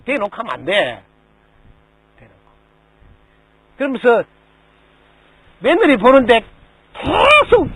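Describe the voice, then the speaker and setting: Male buddhist monk, dharma talk, high voice, swooping intonation, storytelling, rhetorical questions. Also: slightly rough, rough recording. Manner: lively storytelling, rhetorical questions, mimics people in quotes. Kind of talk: dharma talk to a lay audience.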